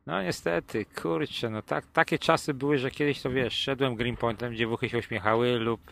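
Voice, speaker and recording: A man's voice: medium pitch, steady tone, normal speed, creaky, fairly bright tone. A man telling long, crude, colloquial stories in a casual podcast chat, with joking asides. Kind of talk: casual anecdotal storytelling.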